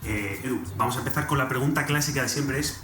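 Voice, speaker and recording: A young man from Spain with a Spanish accent hosts a podcast and interviews guests in a casual, chatty way, talking fast at a medium pitch. Music plays under him, the recording has a roomy echo, and background noise is clearly audible.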